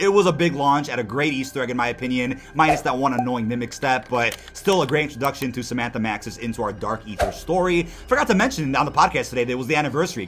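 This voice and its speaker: A man's voice: on the high side, a bit bright. A man giving casual, conversational video commentary to viewers as an enthusiastic gaming content creator. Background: music.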